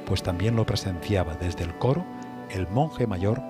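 A man with an accent from Spain giving measured, reverent live commentary and translation of a church ceremony. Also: low voice, animated, loud music behind the voice. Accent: Spain Spanish. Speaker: broadcast commentator and interpreter.

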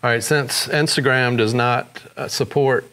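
A man hosting a photography software tutorial, explaining each step in a relaxed way with frequent fillers. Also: mid-range voice, a little slow. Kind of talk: screen-recorded software tutorial.

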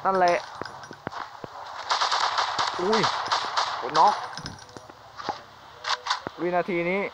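A man giving jokey, excitable commentary while playing a shooting game, exclaiming often. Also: sits high, extremely slow, heavy background noise. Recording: game sounds and gunfire behind.

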